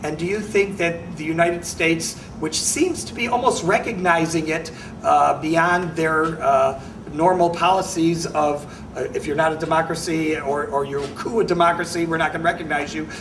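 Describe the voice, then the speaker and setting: A man's voice: a little high, moderate pace. A middle-aged man hosting a talk show, asking long, rambling questions with many hesitations. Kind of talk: interview questions. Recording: distant mic with faint noise.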